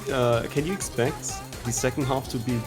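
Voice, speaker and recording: A man's voice: mid-range voice, fairly even intonation, normal speed. A man with an Austrian accent doing casual commentary on a game tournament, chatty and full of restarts. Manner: chatty, restarts and fillers, laughs easily. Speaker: esports commentator. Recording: game music playing underneath.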